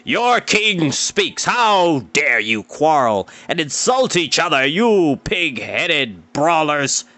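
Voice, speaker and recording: A man reading a storybook aloud and voicing a gruff, bellowing warrior king who speaks slowly and with command. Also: big pitch swings, pushed and bright, heavily acted. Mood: furious. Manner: booming, slow and commanding.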